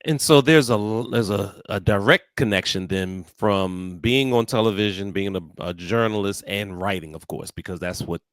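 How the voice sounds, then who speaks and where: A man's voice: on the low side, normal speed, few pauses, no echo. A man hosting a radio interview, asking questions in a friendly, easygoing way.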